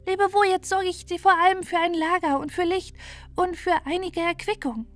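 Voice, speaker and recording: A woman voicing a kind, busy little male shrike in a fairy tale, brisk, chirpy and reassuring. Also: extremely high pitch, steady tone, pitched above the performer's own voice. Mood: tender, reassuring. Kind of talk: fairy-tale storybook character voice. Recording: music behind the voice.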